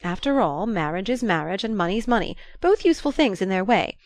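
A woman voicing a shrewd, commanding old grandmother who talks in a lively, imperious way. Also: mid-range voice, fairly quick, dry recording, clean studio sound. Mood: confiding.

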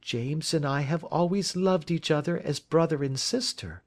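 A man's voice: fairly high pitch, normal speed, pitched above the performer's own voice, lightly acted. A man reading aloud as an earnest young woman who urgently pleads for a friend. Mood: confiding. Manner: urgent, imploring.

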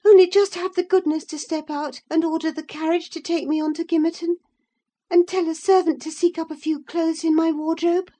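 A woman's voice: extremely high pitch, little pitch movement, a little fast, dark tone, voice pushed up. A woman voicing a distraught, spiteful young woman who talks in agitated, breathless outbursts.

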